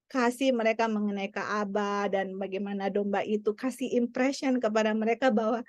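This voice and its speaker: A woman's voice: medium pitch, fairly even intonation, moderate pace, darkish tone, dry recording. A woman, a mother, telling a family story as an earnest Christian testimony, repeating her points as she goes.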